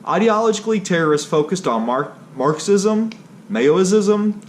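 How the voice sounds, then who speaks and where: A man's voice: sits high, animated, unhurried. Man stiffly reading history, faint background noise. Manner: stilted reading, stumbling on hard words. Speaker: narrator. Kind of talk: read-aloud history narration.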